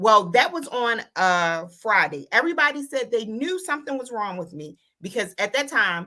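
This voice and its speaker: A fairly high-pitched woman's voice, bright and sharp in tone, at a moderate pace on a very clean recording with a silent background. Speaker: nurse, radio personality, author, spoken word artist. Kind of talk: interview answer.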